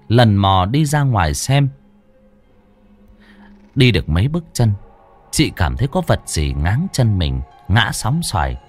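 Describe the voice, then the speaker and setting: A man narrating a ghost story in a dramatic storytelling manner. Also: on the low side. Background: faint background music.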